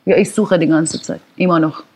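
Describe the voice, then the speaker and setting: A woman's voice: low voice, fairly even intonation, moderate pace, a little hiss or hum. Reflective woman musician. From Iran. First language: Persian. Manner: reflective, searching for words, laughs often. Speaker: guest musician. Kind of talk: conversational interview.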